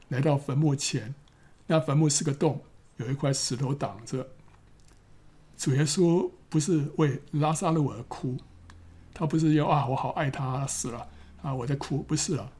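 A man's voice: fairly high pitch, warm tone, husky. A man teaching through a Bible passage in a conversational way, often tagging "ah" onto his phrases and slipping in English. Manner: conversational, trailing "ah" fillers, drops in English phrases.

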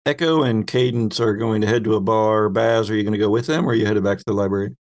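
A man's voice: on the low side, steady tone, fast talker, no echo. A man narrating a tabletop roleplaying game as game master, describing scenes in a wry, conversational way.

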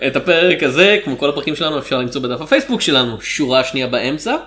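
A man's voice: fairly high pitch, expressive, bright, forceful tone. A man with an Israeli accent co-hosting a podcast in casual comedic banter, rambling along in a playful, mock-serious way. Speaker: podcast co-host.

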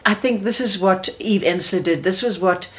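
A woman's voice: mid-range voice, normal speed, fairly bright tone. A middle-aged woman with a South African accent, answering an interview question in an earnest, passionate way with frequent restarts. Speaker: theatre producer.

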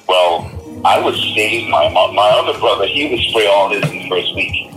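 A man from Trinidad and Tobago, a podcast guest, telling stories in a relaxed, casual way with many restarts. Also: lowish voice, normal speed, soft background music, poor audio. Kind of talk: casual interview storytelling.

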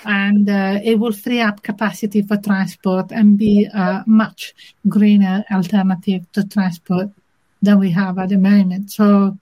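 A woman with an Italian accent, an interview guest who explains things in a measured, thoughtful way with many pauses. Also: mid-range voice, level tone, warm tone, rough recording. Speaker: interview guest, inclusion manager. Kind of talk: conversational interview.

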